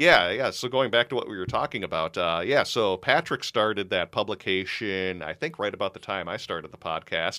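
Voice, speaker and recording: Barely pausing, a man with an American accent talks at a fairly low pitch in a bright, sharp tone on a very clean recording with a silent background. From Minnesota. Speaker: radio production manager and announcer. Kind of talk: casual interview chat. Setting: podcast conversation.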